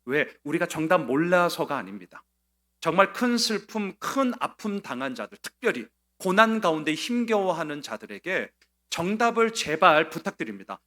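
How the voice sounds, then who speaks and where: A man preaching a sermon as pastor, acting out quoted lines with sudden swings from soft to loud. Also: a little high. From South Korea. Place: church sanctuary.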